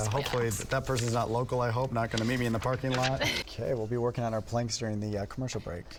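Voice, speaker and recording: A man speaks at a very fast pace with hardly any pauses. His medium-pitched delivery stays monotone and flat amid noticeable background noise. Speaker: TV news anchor and reporter. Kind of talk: casual on-air banter.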